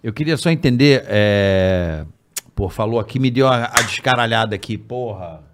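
A man's voice: lowish voice, normal speed, noisy background. A man with a Brazilian accent co-hosting a casual chat in slangy, freely sweary speech. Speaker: podcast co-host.

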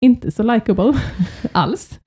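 Warm, higher-pitched Swedish woman chatting. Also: breathy edge. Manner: lively storytelling, with frequent laughs. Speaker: podcast co-host. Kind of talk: casual chat.

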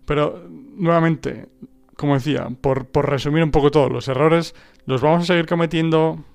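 A man's voice: fairly high pitch, fairly even intonation, moderate pace, gravelly, darkish tone, soft background music. A man whose first language is Spanish, hosting a podcast on language learning and talking through his ideas with frequent restarts and rhetorical checks to the listener. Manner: thoughtful, full of restarts and rhetorical "¿no?" tags. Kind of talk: casual spoken monologue.

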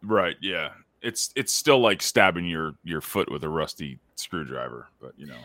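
Man, podcast co-host, casual chat, forceful bright tone, very dry recording. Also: a bass voice, moderate pace, no room sound.

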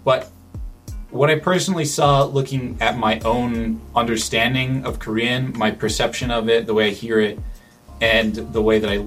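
A man's voice: medium pitch, fairly bright tone. A man chatting casually in a conversation, thinking aloud with many restarts and fillers. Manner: thoughtful, with frequent restarts and fillers.

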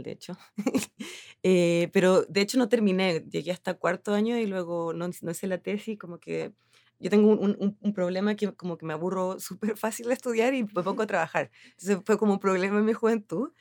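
This Chilean designer in her thirties answers interview questions as a guest, rambling casually with many fillers and restarts and laughing easily. Her Chilean Spanish-accented voice is fairly low, brisk and a little mellow. The recording is clean studio sound with no room sound.

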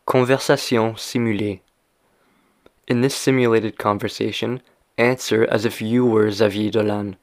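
A man hosting a language lesson, speaking slowly and deliberately and repeating simple phrases for learners. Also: fairly low pitch, fairly even intonation. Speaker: language teacher. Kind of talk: slow scripted language lesson.

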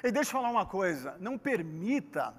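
A man with a Brazilian Portuguese accent preaching a lively sermon in a church, joking and speaking straight to the congregation. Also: high voice, fairly quick, breathy edge. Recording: long hall reverb.

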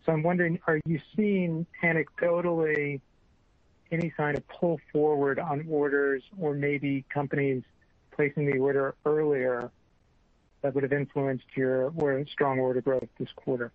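A male analyst with a fairly high, flat voice asks a hesitant question on an earnings call. It comes through a tinny, narrow phone line. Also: moderate pace, no echo. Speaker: financial analyst asking questions.

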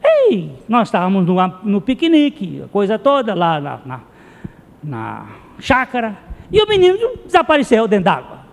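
A man preaches a sermon as a pastor, telling stories passionately and repeating phrases for emphasis. His high voice swings hugely in pitch at normal speed with some vocal fry, and a long hall reverb surrounds it.

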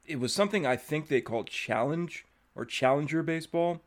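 A young man hosting a podcast in a casual interview chat, relaxed and talkative, letting his thoughts trail off. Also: fairly high pitch, brisk. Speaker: podcast host.

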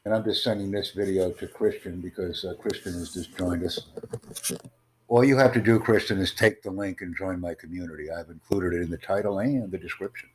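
A man hosting an online voice chat, talking in a formal, measured, promotional way. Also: deep voice, fairly even intonation, a little hiss or hum, low-quality recording. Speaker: host of online conversation. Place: in the United States.

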